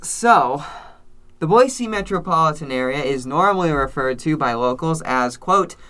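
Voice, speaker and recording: Bright-voiced, sarcastic young man. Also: a little high, animated, moderate pace. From Idaho, United States. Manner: sarcastic, rambling explainer. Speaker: podcast co-host. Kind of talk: casual podcast chat.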